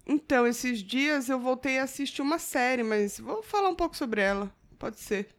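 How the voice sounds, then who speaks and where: A woman co-hosts a podcast and answers the others with dry, teasing remarks. Her voice sits slightly higher than usual. She speaks in a relaxed, casual way. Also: moderate pace. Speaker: podcast co-host. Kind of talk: casual chat.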